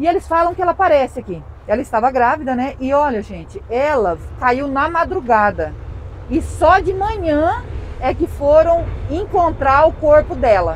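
The pace is fairly slow and the intonation lively. Light background noise can be heard. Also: woman. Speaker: paranormal investigator vlogger. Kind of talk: casual vlog narration. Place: open country.

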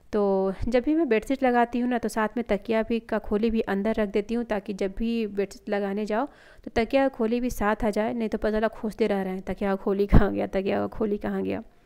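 Set against a quiet background, a woman's dark, mellow tone moves at a moderate pace with fairly even intonation. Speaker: housewife vlogger. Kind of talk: casual vlog chat. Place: home room.

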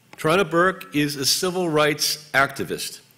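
A man's fairly high voice, bright and sharp in tone, at a fairly slow pace. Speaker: event introducer. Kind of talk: formal introduction. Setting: stage with audience. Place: stage. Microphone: podium.

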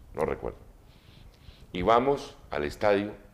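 This man talks at a fairly slow pace. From Colombia, Bucaramanga (Santander); Santander, Colombia. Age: 50s. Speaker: sports journalist. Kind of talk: interview. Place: studio. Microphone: lapel.

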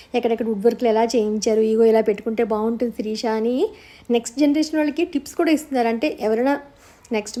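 A dark, mellow tone with fairly even intonation. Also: woman. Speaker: home and lifestyle vlogger. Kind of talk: casual vlog narration. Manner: conversational.

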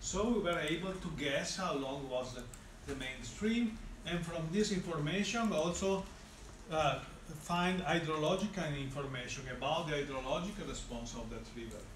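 With an Italian accent, a man talks at a moderate pace with ordinary pitch variation, amid audible room echo and light background noise. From Italy. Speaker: university lecturer. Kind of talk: lecture. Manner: halting. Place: classroom. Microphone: camera far.

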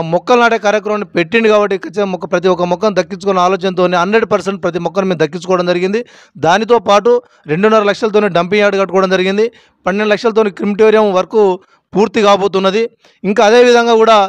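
A high-pitched man with fairly even intonation, dry sound with no echo, and a quiet background. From Telangana, Warangal area village; Telangana. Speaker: village head (sarpanch). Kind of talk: interview. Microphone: handheld.

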